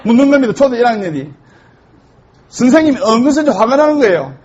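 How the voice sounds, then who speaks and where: A male Buddhist monk giving a humorous sermon, telling jokes and stories in an animated way. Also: very high-pitched, quick pace, husky. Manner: joke-telling, animated storytelling. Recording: dull lo-fi recording.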